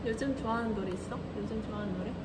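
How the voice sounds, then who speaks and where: A woman's voice: on the high side, rapid-fire. Giggly chatty young woman, noisy background. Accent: Korean regional dialect. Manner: giggly, chatty, reads and answers comments. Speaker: idol livestream host. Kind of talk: casual livestream chat.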